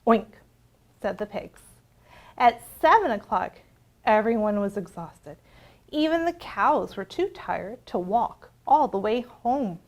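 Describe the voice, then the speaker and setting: A woman librarian leading an interactive storytime for young children, expressive and asking simple questions. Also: medium pitch, slow.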